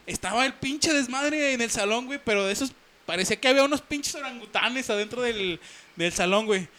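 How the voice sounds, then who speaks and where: Young mexican dude, high bright voice, animated slangy storytelling, acts out everyone. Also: male voice, fairly quick. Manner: slangy, animated, acts out the people in his stories. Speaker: podcast co-host. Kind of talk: casual storytelling chat.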